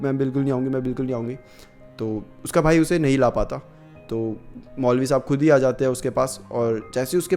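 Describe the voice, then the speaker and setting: A man's voice: mid-range voice, a little mellow. A man narrating a horror story in a casual, conversational way with many fillers.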